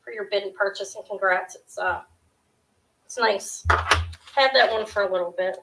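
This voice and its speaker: A middle-aged woman with a sharp, high-pitched voice, hosting a live jewelry auction from her desk at home, chatty and scattered with lots of ums and quick restarts. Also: steady tone, background noise. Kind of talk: casual live-stream selling. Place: small home room with shelves of jewelry displays.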